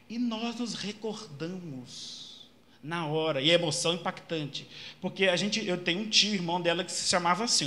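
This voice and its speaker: A man giving an animated storytelling lecture at a Spiritist center, shouting out the cries he retells. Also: high voice.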